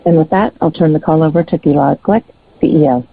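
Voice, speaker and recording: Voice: mid-range voice, a little fast, gravelly, a little hiss or hum. A call moderator reading a scripted legal disclaimer in a formal, procedural way. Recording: narrow, tinny phone line.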